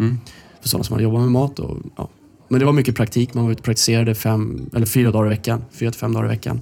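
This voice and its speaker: Speaking very fast, a man uses a medium pitch and a dark, mellow tone with fairly even intonation. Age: 30s. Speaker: head chef. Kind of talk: casual interview. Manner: halting, many repetitions.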